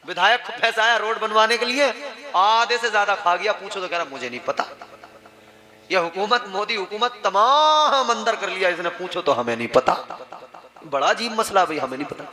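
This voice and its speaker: A man's voice: high voice, lively intonation, moderate pace, sharp tone. A man preaching to a gathering, telling a religious story with dramatic voiced dialogue and humorous asides. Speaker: Islamic preacher. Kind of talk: sermon storytelling. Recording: live crowd at a religious gathering. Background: crowd.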